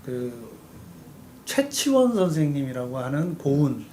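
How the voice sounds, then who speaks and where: A man who is a campaign spokesman, a guest on a live web talk show, telling long stories about history with lively enthusiasm. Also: mid-range voice, measured pace. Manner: animated storytelling, talks through history at length. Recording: faint background noise, live stream.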